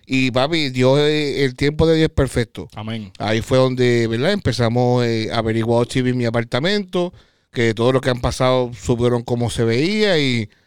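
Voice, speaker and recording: A man talks at a moderate pace with hardly any pauses, in an ordinary speaking voice at a medium pitch with ordinary pitch variation. The recording is very clean, with a silent background. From New York. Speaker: online media co-founder. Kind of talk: casual chat.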